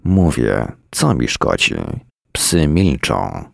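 A man reading a first-person story in a weary, deadpan manner at a close mic. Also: extremely low pitch, slow pace, gravelly, dry recording. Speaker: narrator.

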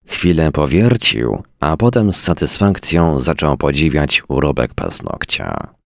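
A man reading a first-person story aloud in a wry, measured way. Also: rumbling low, sing-song, creaky, no echo, clean studio sound. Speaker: audiobook narrator. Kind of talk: scripted first-person narration.

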